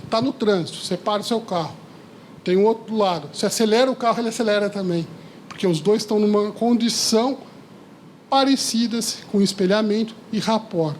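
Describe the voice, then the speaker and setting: A man giving a lively seminar talk to a live audience, often asking the listeners questions. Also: high-pitched, fairly quick, a little hiss or hum. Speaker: speaker at a seminar. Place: lecture hall with audience.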